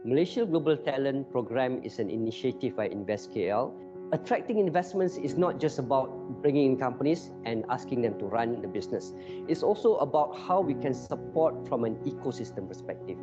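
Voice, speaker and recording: A man speaking as an investment agency spokesperson in a promotional interview, measured and emphatic. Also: mid-range voice, expressive. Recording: dull lo-fi audio with music bed. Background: background music.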